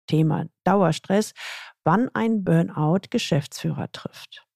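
A woman executive coach hosting a podcast, telling a coaching case in measured, instructive scripted narration. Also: on the low side, gravelly, warm tone, dry recording, studio quality.

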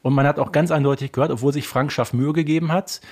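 A man co-hosting a talk podcast, chatting about an audio drama series like an animated storyteller and posing rhetorical questions. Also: a little high, quick pace. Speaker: podcast co-host.

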